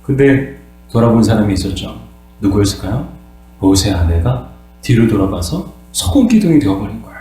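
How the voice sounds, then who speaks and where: A male pastor preaches in a very echoey church sanctuary where mains hum can be heard. His fairly low, mellow voice is sing-song and fairly quick. He asks the congregation questions and answers them himself, sometimes acting out voices and crying out dramatically.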